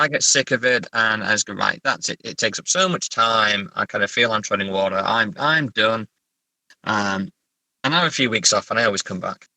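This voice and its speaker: A man talking casually as a writer being interviewed, halting as he thinks aloud. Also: lowish voice, bright, forceful tone, dry recording, rough recording. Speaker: writer, podcast guest. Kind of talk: casual interview chat about writing.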